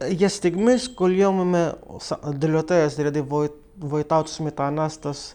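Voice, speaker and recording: A man with an Arabic accent speaks at a fairly slow pace in a fairly high voice with ordinary pitch variation, on a very clean recording with a silent background. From Morocco. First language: Arabic (speaking Greek). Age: 20s. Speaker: young migrant interviewee. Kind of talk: interview testimony. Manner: halting, many false starts.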